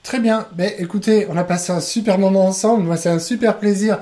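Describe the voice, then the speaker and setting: Male webinar host and trainer; mellow, warm tone; eager, rambling delivery. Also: high voice, fairly even intonation, brisk. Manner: enthusiastic, rambling with restarts. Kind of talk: live webinar chat.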